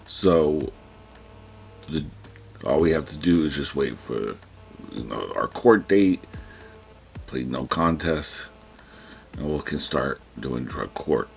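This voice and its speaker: Breathing heavily, a man with a rumbling low voice and vocal fry vlogs a personal story slowly, with lively intonation and long pauses. His casual, rambling account is full of restarts, and he quotes himself in panicked whispers.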